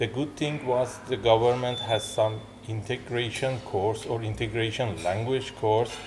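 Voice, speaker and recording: In an Iranian accent, a man with a medium pitch speaks at a fairly slow pace with fairly even intonation. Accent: Iranian (Persian) accent in English. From Iran, Tehran. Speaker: university researcher and migrant. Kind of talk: interview testimony. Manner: halting, with repeated words.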